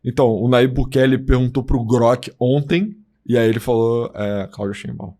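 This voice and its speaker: Animated man riffing on politics. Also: medium pitch, normal speed. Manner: animated, lots of fillers like tipo and né. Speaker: podcast co-host. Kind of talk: casual political chat.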